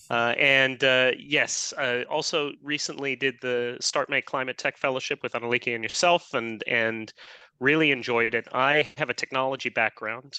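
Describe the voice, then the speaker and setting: A man with an American accent uses a bright, sharp tone and fairly even intonation at a moderate pace, recorded in dry, close sound with no echo over a quiet background. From United States. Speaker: software engineer, climate tech writer. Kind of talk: podcast interview.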